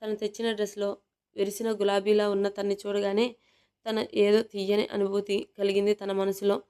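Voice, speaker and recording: Woman reading a love story aloud, super smooth clear voice, really flat and even. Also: medium pitch, normal speed. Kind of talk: scripted story narration.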